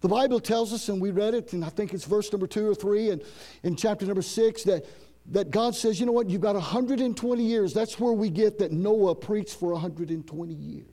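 A man's voice: high voice, a little fast, dark tone. An older man preaching a sermon in a church, building emphasis through repetition and restarts. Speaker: pastor.

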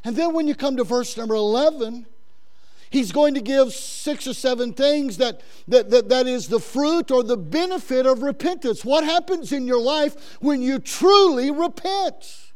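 Male pastor, middle-aged, big high voice, fervent sermon delivery with stammered repeats. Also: lively intonation, unhurried, darkish tone.

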